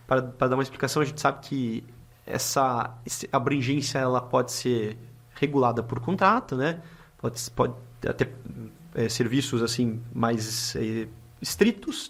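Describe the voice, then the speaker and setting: A middle-aged man with a Brazilian accent hosts a casual podcast conversation. He talks loosely and warmly toward his guests, leaning on filler tags and circling back to restart his sentences. His voice sits at an everyday middle pitch. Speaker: podcast host and lawyer. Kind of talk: casual interview chat.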